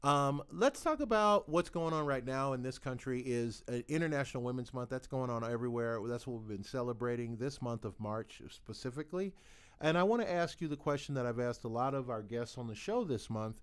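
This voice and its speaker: A man hosts a talk show, his questions loose and rambling, with jokes that he laughs off himself. His intonation rises and falls widely, giving him a lively, animated delivery. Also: mid-range voice, brisk, clean tone. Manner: jokey, rambling, wide-swinging intonation. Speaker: podcast host. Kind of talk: casual interview chat. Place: podcast studio.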